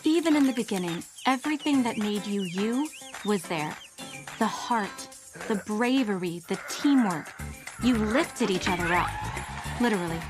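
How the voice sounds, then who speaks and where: A woman's voice: medium pitch, expressive, normal speed, close to an everyday voice. A woman playing a host who narrates a sentimental, wry scripted tribute. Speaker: host narrating a clip montage. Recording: music behind the voice.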